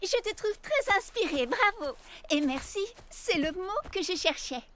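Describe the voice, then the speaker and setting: A woman's voice: very high-pitched, animated, measured pace, a bit bright, full character voice. A woman voicing an eager, polite, hesitant girl in a French cartoon dub. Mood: sweet, shy. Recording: music behind the voice.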